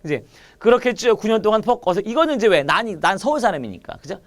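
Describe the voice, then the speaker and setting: A man teaching literature in an online exam-prep lecture, repeating key points and firing quick questions at his students. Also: sits high, big pitch swings.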